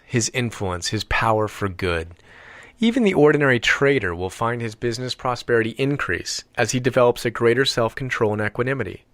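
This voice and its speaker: Guy reading an audiobook, mid pitch, deliberate phrasing w/ emphatic pauses, dry close recording. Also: a bit bright, no room sound. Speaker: audiobook narrator. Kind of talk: scripted audiobook narration.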